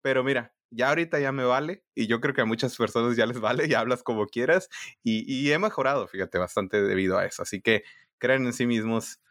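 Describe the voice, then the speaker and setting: A man's voice: mid-range voice, fairly quick, fairly bright tone, no echo, studio quality. A man chatting casually on a podcast, laughing easily and poking fun at himself. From Latin America. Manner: laughs easily, self-deprecating.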